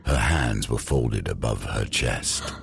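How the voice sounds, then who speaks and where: A man playing the grave, ominous narrator of a gothic audio drama, deliberate and given to dramatic pauses. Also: a bass voice, vocal fry, noisy background, full character voice. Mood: suspenseful.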